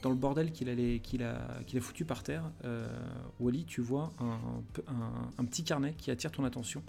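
A man's voice: medium pitch, moderate pace, gravelly, dark tone. A man narrating a tabletop role-play game as game master, hesitant and full of restarts.

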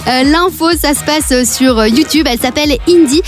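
A woman's voice: high-pitched, a little fast, music in the background. A woman from Belgium hosting a radio show in casual chat, playful and laughing often.

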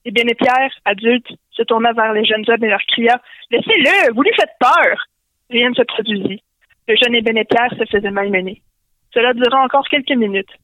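A woman's voice: a little high, fairly even intonation, fairly quick, fairly bright tone, no echo. A woman with a Québécois French accent reading a comic story aloud over a phone call, in a playful way. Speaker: guest storyteller. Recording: tinny phone line.

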